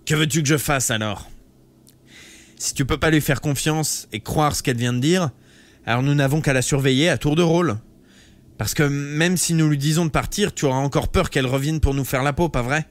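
A man doing a calm, earnest teenage boy. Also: fairly high pitch, fairly quick, close to an everyday voice. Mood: calm persuasive. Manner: earnest, reasoning. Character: level-headed teenage boy, calm and persuasive.

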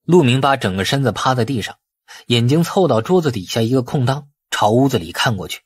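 A man's voice: medium pitch, lively intonation, a little fast, slightly rough. A man reading a suspense novel as a dramatic audiobook narrator.

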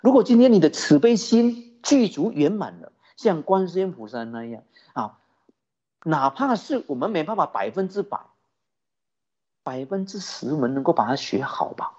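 Lively man preaching, husky, lo-fi. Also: a little high, moderate pace. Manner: lively storytelling, rhetorical questions, chuckling. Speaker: Buddhist teacher. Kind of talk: sermon. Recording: dull lo-fi recording.

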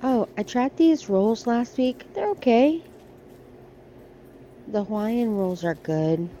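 A woman's voice: on the high side, takes it slowly, dark tone, lo-fi sound, a little hiss or hum. Chatty American woman browsing a store. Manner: chatty, thinking aloud while browsing. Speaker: shopping vlogger. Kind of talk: casual shop-with-me vlog. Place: large discount store aisles. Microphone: handheld phone camera.

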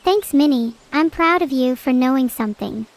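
A synthetic female AI voice, chatting casually as a stream co-host with dry, deadpan quips. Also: sits high, normal speed. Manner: deadpan, matter-of-fact quips. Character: female AI vtuber, dry and teasing.

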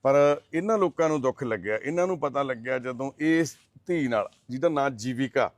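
A middle-aged man, a charity volunteer, making a heartfelt appeal and gently consoling and questioning the people he visits. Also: mid-range voice, fairly quick, no room sound. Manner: earnest, gently consoling, explanatory. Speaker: charity volunteer presenting a case. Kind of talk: heartfelt appeal and on-site interview.

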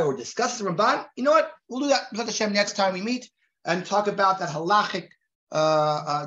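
A man's voice: sits high, a bit bright. A man in his forties who grew up in Israel teaches a class, talking conversationally and stumbling over repeated words as he goes. He is recorded in a room with a lot of echo. The sound is dull and lo-fi. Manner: reads Hebrew sources aloud quickly. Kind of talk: recorded lecture to a group.

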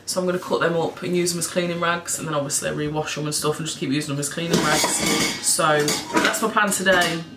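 A woman's voice: deep voice, steady tone, brisk, few pauses. Chatty woman with a froggy throat. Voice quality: a bit hoarse, froggy throat. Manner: chatty, rambling, swears casually, laughs often. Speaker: cleaning vlogger. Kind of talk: casual chat to camera. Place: home kitchen, indoors. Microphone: camera in front of her at table height. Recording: echoey kitchen with background noise.

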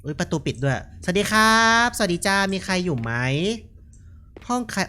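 A man's voice: sits high, big pitch swings, normal speed, pushed and bright. A man giving casual, jokey commentary while playing a horror game. He chats freely, reads out what he finds and laughs often. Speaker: gaming streamer.

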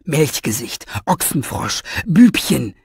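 A man's voice: a little high, sing-song, slow pace, gravelly, darkish tone, husky, no echo, studio quality, heavily acted. A man voicing a grumpy, aging male writer who grumbles insults in an audiobook reading. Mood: scornful.

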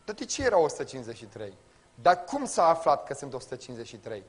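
A man with a Romanian accent preaching a sermon to a congregation in a colloquial way, his delivery swinging from loud exclamations to low murmurs. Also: very animated, slightly rough. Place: church before a congregation.

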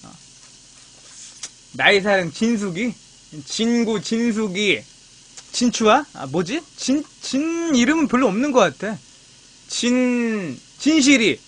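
Guy doing a mukbang stream, high bright voice, joking around with chat, meat sizzling in the back. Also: lively intonation, slow, pauses often. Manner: chatty, teasing, talks to chat as friends. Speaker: live-stream mukbang host. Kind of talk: casual live-stream chat while grilling. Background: meat sizzling on a grill.

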